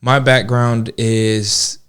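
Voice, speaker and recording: With drawn-out words and little pitch movement, a Georgia man in his twenties keeps things chatty and jokey as co-host of a relaxed relationship podcast. His American-accented voice is medium in pitch, with a fairly bright, clean tone.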